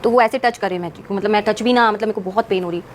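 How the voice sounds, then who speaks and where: A woman's voice: medium pitch, racing, a little hiss or hum. A woman, a singer, telling a personal story as a podcast guest in an earnest, rambling way, with English words mixed into her speech.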